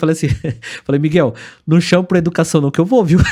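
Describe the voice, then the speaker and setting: A man with a fairly high pitch talks at a very fast pace. His intonation is fairly even. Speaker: real estate developer. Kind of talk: podcast interview.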